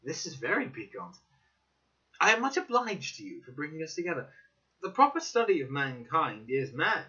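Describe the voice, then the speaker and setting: Courteous, inquisitive male doctor voiced by a male narrator, higher-pitched, animated, audiobook drama. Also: normal speed. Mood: intrigued. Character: curious, courteous male ex-army doctor, easily impressed. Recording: dull, slightly lo-fi recording.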